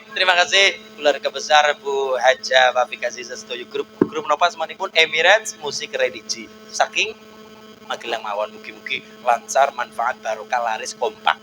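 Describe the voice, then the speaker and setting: A man with a Javanese accent preaching a lively sermon, jumping to high calls and chanting prayers. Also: moderate pace, over music, low-quality recording. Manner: animated, swings into high shouts, chanted Arabic prayers.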